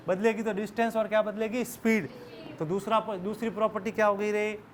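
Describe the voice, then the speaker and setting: High-voiced Hindi physics teacher quizzing students. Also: male voice, slight background noise. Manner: quizzes students constantly, calls them beta, jokes and laughs with the class. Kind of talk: classroom lecture with call-and-response questions. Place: classroom with students.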